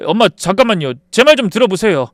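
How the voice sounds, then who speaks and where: A man's voice: high voice, very animated, fast talker, no room sound, clean studio sound, pitched above the performer's own voice. Man doing a whiny, defensive grown son. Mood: pleading. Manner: pleading, whiny protests. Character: defensive adult son who shields his wife. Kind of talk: dramatized story reading.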